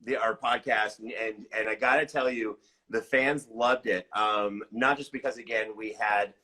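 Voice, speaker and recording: A man's voice: lowish voice, steady tone, normal speed, pushed and bright, rough recording. A man hosting a podcast interview in casual chat, enthusiastic and complimentary toward the guest.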